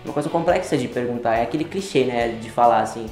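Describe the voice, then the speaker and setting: A 19-year-old man with a Brazilian Portuguese accent telling personal stories in a relaxed way, laughing often, recorded in a studio against a grey wall. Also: medium pitch, quick pace, soft background music. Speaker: interviewee. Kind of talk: casual personal storytelling. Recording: roomy room sound.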